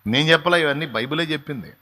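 A male pastor preaching a sermon with impassioned delivery, swinging from hushed to loud and pressing questions on the listener. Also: a little high, racing. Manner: speaks directly to each listener, pressing questions.

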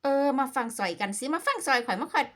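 A woman's voice: high-pitched, big pitch swings, quick pace, a bit bright. A woman with an Isan Thai accent chatting casually like a sassy, playful gossip vlogger, slipping between dialect and standard Thai. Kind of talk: casual gossipy reaction commentary.

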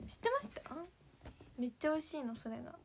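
A woman's voice: sits high, big pitch swings, fast, vocal fry, background noise. A young woman chatting casually to viewers on a livestream, giggling and sometimes dropping to a whisper. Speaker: idol livestream host.

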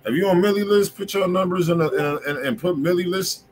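A man's voice: high-pitched, quick pace, slight background noise. A man hosting a music review livestream from a room at home, talking loosely in slang and calling out to his viewers. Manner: loose slangy talk, calls out to chat. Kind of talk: casual livestream chat.

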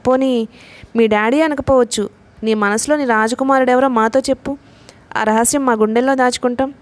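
A woman reading a novel aloud, voicing a lively young woman who teases her friends. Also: a little high, moderate pace, lightly acted. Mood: teasing. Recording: audiobook narration.

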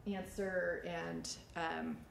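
A woman's voice: lowish voice, little pitch movement, very slow, gravelly. A woman in her forties, a salon owner, talking casually and chattily as she teaches during a demonstration. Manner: chatty, informal. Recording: echoey studio room, faint ambient noise.

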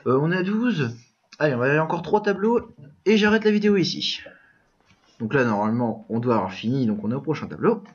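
Lively, excitable man gaming. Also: on the high side, fairly quick, husky, highs cut off. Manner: exclamatory, frustrated outbursts at a lagging game. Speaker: let's play gamer. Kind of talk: casual gameplay commentary.

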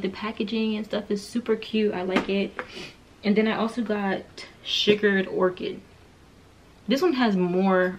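A woman's voice: medium pitch, background noise. A woman vlogging in a casual, rambling chat, a bit out of breath. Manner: chatty, rambling, quick bursts.

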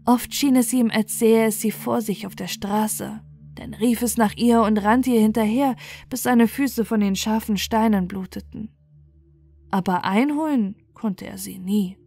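A woman storyteller reading a bedtime fairy tale in a measured, expressive way. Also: a little high, husky.

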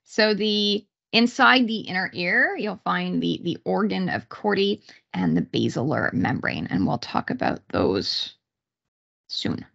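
A woman giving an explanatory online lecture, speaking haltingly with pauses mid-sentence over a video call. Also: lowish voice, lively intonation, gravelly, a bit bright, highs cut off. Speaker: university psychology lecturer. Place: small room indoors, on a video call.

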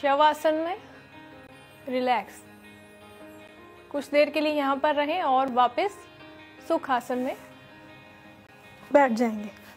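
A young woman teaching yoga in a studio, giving calm step-by-step instructions with many fillers, on a lapel mic. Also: high-pitched, slow pace, pauses often, soft background music. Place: studio with red floor and dark curtains.

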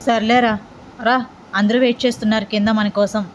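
A woman's voice: fairly high pitch, level tone, a little fast, a little hiss or hum, close to an everyday voice. A woman voicing a chatty, playful young man who complains and teases.

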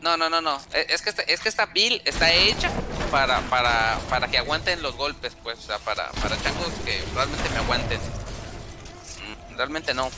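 A man chatting casually while playing a game, often restarting sentences and trailing off on drawn-out fillers. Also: mid-range voice, lively intonation, heavy background noise. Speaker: gamer streaming gameplay. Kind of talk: casual gameplay chat.

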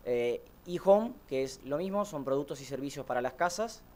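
A man from Brazil of Uruguayan family with a Uruguayan Spanish accent touched by Portuguese, giving a relaxed conference talk from a podium with many "este" fillers. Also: medium pitch, moderate pace. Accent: Uruguayan Spanish with Brazilian influence. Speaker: conference speaker, electric mobility manager. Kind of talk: conference presentation. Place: large conference hall, speaking at a podium. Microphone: podium microphone, filmed from far.

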